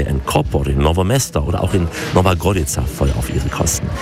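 A man hosting a radio travel feature, moving between scripted narration and questions put on location. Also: sits low. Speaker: radio travel reporter and host.

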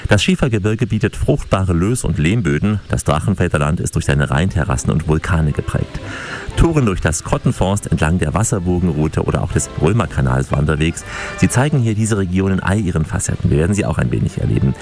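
A man presenting a radio feature, reading narration calmly and asking interview questions. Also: sits low, fairly quick, faint music behind. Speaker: radio reporter.

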